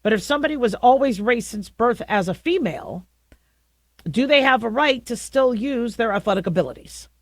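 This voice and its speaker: A middle-aged woman with a deep voice hosting a talk radio show, talking through her views in a conversational way with frequent restarts. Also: lively intonation, no echo. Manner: conversational, halting with many restarts. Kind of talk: opinionated talk radio monologue.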